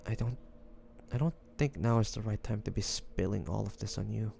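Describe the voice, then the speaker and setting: A male actor plays a tender, protective young man in a fantasy romance audio drama. His voice is mellow and dark with a creaky edge. He speaks haltingly and earnestly, heavy with feeling. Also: on the low side, slight background noise. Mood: guilty, breaking. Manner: halting, emotional, pleading, with pauses and sighs. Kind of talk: intimate romantic roleplay audio drama acting.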